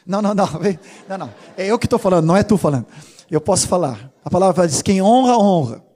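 A man, preaching a sermon as pastor, animated and teasing, with informal asides. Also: high-pitched, fast talker.

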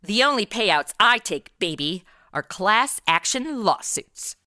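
An American actress playing a brash modern twenty-something amateur detective in a comedy audio drama, sassy, slangy and theatrical. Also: female voice, medium pitch, very animated, slow pace, very noisy. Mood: smug.

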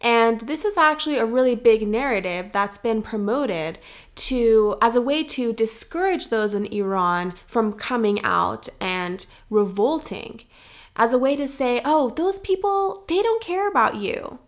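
Young woman, podcast host, earnest, measured. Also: a little high. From United States. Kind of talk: scripted podcast commentary.

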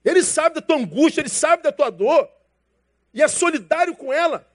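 A man delivers a sermon as a pastor, in a notably high voice. He keeps it casual and slangy and addresses the congregation as brother. He acts out conversations from his anecdotes. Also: lively intonation, normal speed. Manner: casual, slangy preaching that calls listeners brother; acts out dialogue from his stories.

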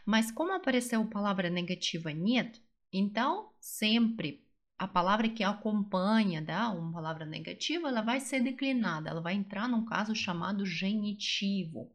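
A woman teaching a language lesson, patient and explaining step by step, slowing down for example phrases. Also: medium pitch, animated. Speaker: Russian teacher.

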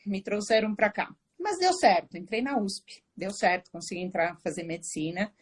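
A woman from Argentina, a psychiatrist guest on a video call, telling her story in a warm, animated way. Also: mid-range voice, normal speed. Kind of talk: casual interview storytelling.

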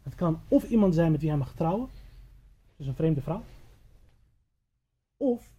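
Male preacher, husky and very dark, high-set voice; storytelling sermon, stumbles and repeats words; dull lo-fi recording. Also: lively intonation, a little slow. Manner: repeats and restarts words while telling. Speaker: religious teacher at a gathering.

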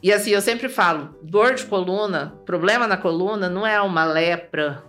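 A Brazilian woman as an interview guest, telling a personal story in a lively way, acting out remembered dialogue and often tagging her sentences with "né?". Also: mid-range voice, moderate pace, soft background music. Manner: lively, acts out remembered dialogue, tags lines with "né?".

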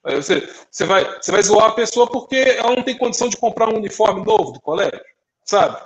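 A high-voiced young man from Brazil rattles off stories in a casual podcast chat, his pitch swinging widely. He jumps in and out of quoted dialogue, giving each person in the story a voice of their own. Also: expressive, fast talker, low-quality recording. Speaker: podcast co-host.

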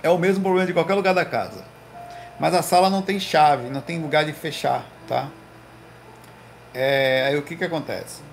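Gravelly man chatting on a livestream. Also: on the high side, normal speed, slight background noise. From Recife, Brazil. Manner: slangy, animated storytelling with lots of "velho" and "cara". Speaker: livestream host. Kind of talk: casual livestream chat with viewers. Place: home room.

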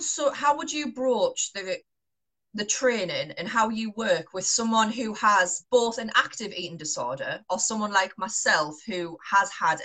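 A woman's voice: on the low side, bright, forceful tone, low-quality recording. A young woman interviewing a trainer in a casual chat, asking long, self-correcting questions.

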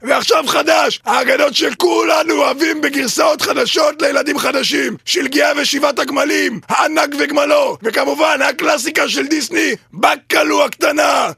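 A man playing a desperate, hapless middle-aged football coach in a broad radio comedy sketch, blustering and indignant with a strained, gravelly voice. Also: very high-pitched, few pauses, sharp tone, no room sound, raised voice, studio quality, exaggerated voice. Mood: hammy sales pitch. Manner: blustering, indignant, rambling self-justification.

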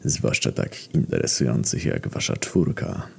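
A smooth, smirking devil of a nightclub owner, as a male narrator puts him on, dropping into a very deep, soft murmur. He draws each word out slowly, courteous on the surface with menace underneath. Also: very animated, heavily acted. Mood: silky menace. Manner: low, slow and silky.

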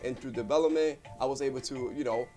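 Faint music plays as a Spanish-speaking Puerto Rican business owner in his thirties chats as a studio guest, rambling warmly and from the heart, circling back and restarting often with plenty of fillers. He speaks fast at an ordinary middle pitch with a warm tone.

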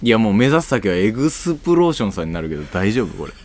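Quick, lively young man co-hosting. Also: lowish voice. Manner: animated, quick storytelling. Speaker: podcast co-host. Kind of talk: casual radio chat.

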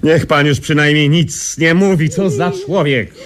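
An actor playing a jovial, mocking family friend in a radio comedy. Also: male voice, on the high side, unhurried, close to an everyday voice. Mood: teasing. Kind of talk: old radio comedy acting.

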